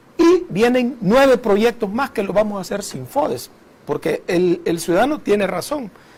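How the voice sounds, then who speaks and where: Very wide pitch swings mark speech at a moderate pace, set against noticeable background noise. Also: man, high pitch for a man. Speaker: mayor. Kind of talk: interview.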